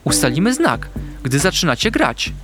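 Man voicing a shy puppy, soft, trembling, stammering, high. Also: huge pitch swings, moderate pace, over music. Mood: timid. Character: small sensitive puppy, shy and easily overwhelmed.

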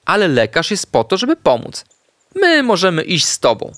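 A man's voice: high-pitched, huge pitch swings, moderate pace, a bit bright, no echo, clean studio sound, pitched above the performer's own voice, full character voice. A man voicing an eager, bouncy little male forest animal in a chirpy voice for a storybook. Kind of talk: storybook character voice.

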